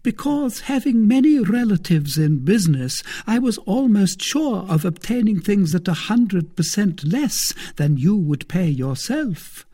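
A man voicing an anxious, thrifty middle-aged woman married to a lawyer, with a shrill, tremulous, pleading manner. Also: sing-song, a little slow, hardly any pauses, dark tone, slightly rough, heavily acted.

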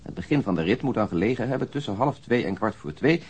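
A methodical police detective in a radio drama. He talks briskly in a husky voice, precise and matter-of-fact. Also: on the low side, lively intonation, a little mellow. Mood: factual, precise. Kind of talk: Dutch radio drama acting.

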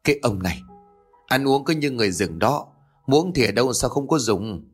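A man voicing an older village wife in a horror story, fussy and shrill, with a high raised pitch. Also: expressive, moderate pace, husky, soft background music. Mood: scolding.

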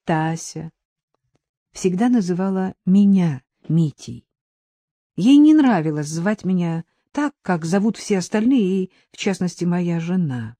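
A woman voicing a calm, firm middle-aged man who explains things in a level, measured way. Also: on the low side, no room sound, studio quality.

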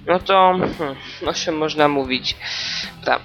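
A man's voice: on the high side, a little slow, a bit bright, faint music behind. A man hosting a solo podcast, chatting in a meandering, hesitant way with lots of fillers. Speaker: podcast host. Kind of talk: rambling solo podcast chat.

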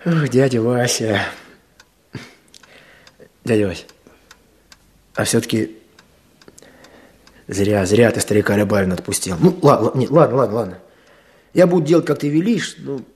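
An actor playing an earnest, eager younger village helper in a Russian radio play, speaking in a familiar, deferential way. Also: male voice, mid-range voice, lively intonation, normal speed, pauses often, a little mellow, close to an everyday voice. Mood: reluctant, conceding.

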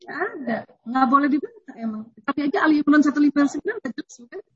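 A woman giving a religious talk on parenting, lively and often laughing as she acts out prayers and children. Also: sits high, fast, muffled recording. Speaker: speaker on Islamic parenting. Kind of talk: religious talk with audience questions.

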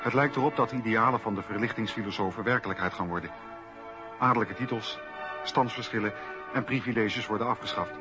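A man's voice: lowish voice, fairly quick, muffled recording, loud music behind the voice. A man narrating a scripted historical radio documentary.

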